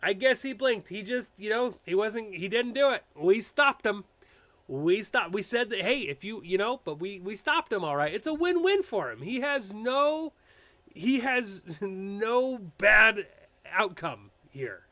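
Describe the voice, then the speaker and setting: Slightly slow and high-voiced, this man hosts a casual political live stream recorded with no echo. His delivery is animated and loose, full of fillers and restarts, and he mocks public figures through impressions.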